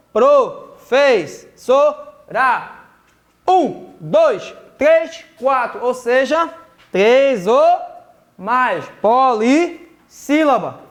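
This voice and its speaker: Brazilian guy teaching kids online, kinda high voice, takes it slow, repeats stuff, keeps saying ok. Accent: Brazilian Portuguese. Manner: slow and patient, repeats words, checks in with "tá?" and "ok?". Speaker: primary school teacher. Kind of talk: remote grammar lesson for children.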